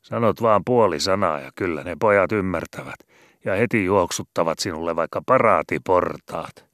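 A man voicing a gruff, bossy, boastful old male sea pilot who scolds loudly and swears in rough rural speech in a storybook reading. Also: low-pitched, no echo, studio quality. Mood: gruff scolding.

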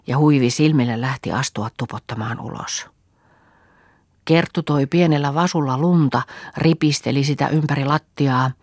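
A woman reading a novel aloud as an audiobook narrator, calm and measured. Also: rumbling low, dry recording, clean studio sound. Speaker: audiobook reader.

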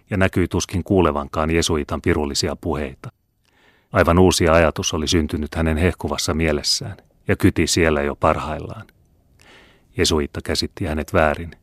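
A man narrating a classic novel as an audiobook reader in a measured, even way. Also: a bass voice, dry recording, studio quality.

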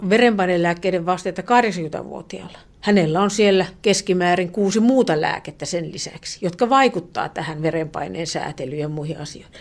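A woman's voice: lowish voice, creaky. Earnest woman professor explaining. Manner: earnest explaining, many fillers and restarts, trails off softly. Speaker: professor, expert guest. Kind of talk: radio interview.

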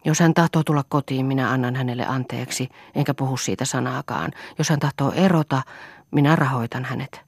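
A woman voicing a distraught middle-aged man who speaks quietly and haltingly, in an audiobook. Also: a bass voice, husky, dry recording, clean studio sound, full character voice. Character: shaken middle-aged man confessing in a hushed voice.

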